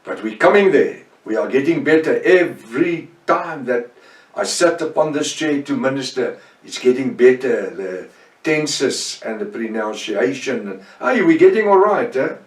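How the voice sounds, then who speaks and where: A man's voice: medium pitch, expressive, a little slow, distant mic. Afrikaans-accented man preaching in an echoey room. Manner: fervent, emphatic preaching with prayers. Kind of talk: sermon Bible study.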